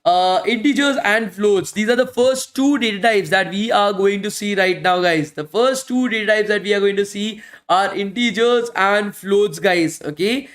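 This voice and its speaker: Few pauses break up his moderate-paced speech, and his voice sits high with a slight brightness. He's the instructor of a live online bootcamp, casually and repetitively answering questions, ending phrases with "guys," and getting hoarse from talking every day.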